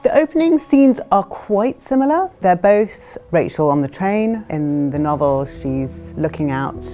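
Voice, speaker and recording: A middle-aged woman speaks in a low, mellow voice, recorded in a studio. She talks through the film version of her novel in a thoughtful way, restarting phrases often. Soft music sits faintly behind her. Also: very animated, a little slow. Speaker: author discussing her novel's film adaptation. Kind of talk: reflective interview talk. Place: studio with plain backdrop.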